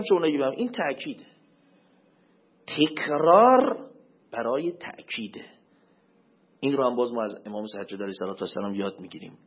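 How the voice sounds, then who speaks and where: A man giving a religious lecture as a preacher, swinging between loud emphatic questions and low murmured asides. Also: breathy edge. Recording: dull lo-fi recording.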